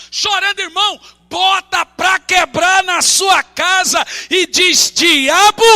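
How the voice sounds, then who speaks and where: Fervent pastor shouting in a hall. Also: male voice, very high voice. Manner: impassioned, preaching in bursts and shouts. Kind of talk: sermon. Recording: reverberant hall with music behind.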